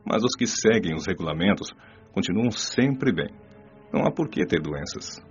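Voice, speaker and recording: Man doing a wise patient spirit teacher, lowish calm voice, explains slowly, dull lo-fi with music. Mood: explaining. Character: wise adult male spirit mentor, patient. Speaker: teacher figure. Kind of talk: radio drama acting.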